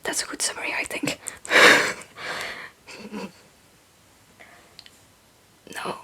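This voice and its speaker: A young woman, a native Dutch speaker, whispering breathily in a rambling, halting, casual ASMR chat. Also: pushed and bright. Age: young adult. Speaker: ASMR video creator.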